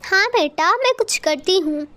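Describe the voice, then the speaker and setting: A woman's voice: extremely high pitch, animated, measured pace, sharp tone, slight background noise, full character voice. A woman voicing a kind, brave female sparrow in a cartoon story, caring and firm.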